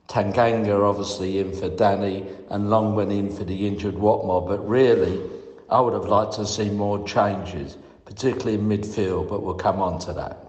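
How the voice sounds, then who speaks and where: A man leaving a voicemail for a podcast, giving a methodical, critical fan's opinion point by point. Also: fairly low pitch. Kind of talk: prepared point-by-point match opinion. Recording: echoey, reverberant room voicemail.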